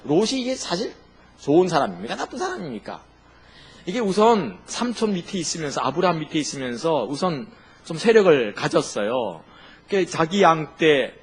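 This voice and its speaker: A man's voice: on the high side, slightly rough. A man preaching a sermon as a pastor, asking the congregation questions and answering them himself.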